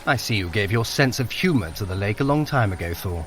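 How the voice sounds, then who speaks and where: An actor playing a clever, exasperated Norse trickster god in an audio drama, dry, sardonic and articulate. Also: male voice, on the low side, expressive, brisk, lightly acted. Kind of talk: scripted audio drama acting.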